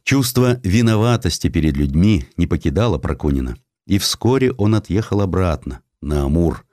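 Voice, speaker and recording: A man reading a historical story as an audiobook narrator, in an expressive, dramatic literary style. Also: sits low, moderate pace, no room sound, clean studio sound. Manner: expressive, acting out quoted dialogue.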